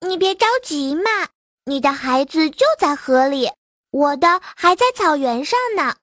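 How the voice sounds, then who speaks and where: A woman's voice: sits high, a little slow, a bit bright, dry recording, studio quality. A woman voicing a clever, sly little white rabbit in a children's story. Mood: wheedling. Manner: coaxing, cheeky. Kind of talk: storybook character voice.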